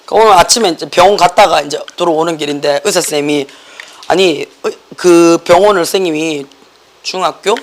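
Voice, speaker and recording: Hoarse middle-aged teacher with a Gyeongsang accent. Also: medium pitch, quick pace. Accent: Gyeongsang Korean. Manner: animated, joking, mixing English words into Korean. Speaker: English academy teacher. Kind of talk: classroom lecture. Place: classroom.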